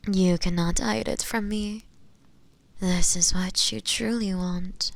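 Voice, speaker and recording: Seductive witch captor, played by a woman, intimate audio roleplay. Possessive and sweetly menacing, unhurried delivery, breathy murmurs with some vocal fry. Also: mid-range voice, fairly even intonation, dry recording. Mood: coaxing, possessive. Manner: slow, coaxing, breathy murmurs slipping into whispers.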